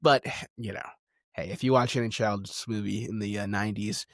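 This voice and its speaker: A man hosting a video essay, speaking in a conversational, emphatic way with dramatic pauses. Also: on the low side, fairly even intonation, no echo, studio quality. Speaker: podcast host and video essayist.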